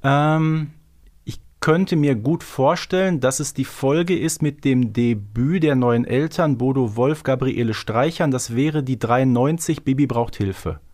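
A man with a medium-pitched voice talks casually as a contestant in a podcast guessing game. He thinks aloud and works through his reasoning step by step. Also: a little slow, a little mellow. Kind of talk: casual chat.

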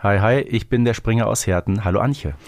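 Man, podcast co-host, conversational, slightly low voice, dry recording. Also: brisk, dry recording.

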